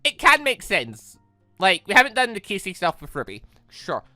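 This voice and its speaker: Animated male gamer with a bright voice. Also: high-pitched, moderate pace, no room sound, soft background music. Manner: rambling, animated, exasperated asides. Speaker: gaming video host. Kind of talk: let's play commentary, reading visual novel dialogue aloud.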